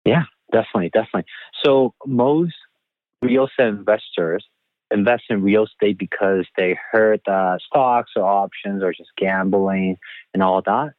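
A man from Taiwan speaks as an interview guest over a narrow, phone-like line. His voice sits fairly low and the sound is dry. He answers conversationally, in the role of a financial coach. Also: no echo. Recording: thin phone-like band-limited line.

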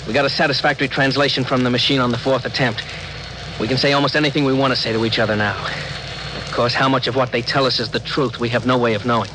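Eager young crewman, played by a man, fast and deferential; hissy old broadcast. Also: mid-range voice, steady tone, natural voice. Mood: earnest. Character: earnest young male communications officer. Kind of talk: 1950s radio drama acting. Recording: noisy old radio broadcast.

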